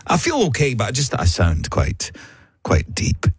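A man hosting a radio show, croaky from a cold, chatting casually in a self-mocking, jokey way. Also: mid-range voice, huge pitch swings, a little slow, no room sound, studio quality. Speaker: radio host.

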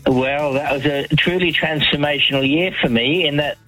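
A man's voice: a little high, fairly even intonation, normal speed, pushed and bright, faint music behind, rough recording. A man who grew up in Australia calls a radio show and tells his life story in a chatty, anecdotal way with frequent ums and restarts. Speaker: caller, professional storyteller.

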